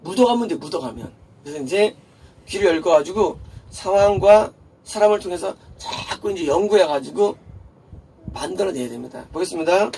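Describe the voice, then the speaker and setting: At a normal pace, a pastor speaks in a high, warm voice touched with vocal fry, keeping his sermon informal with passing laughs and rhetorical questions he answers himself. He's a little far from the mic, and faint noise lingers.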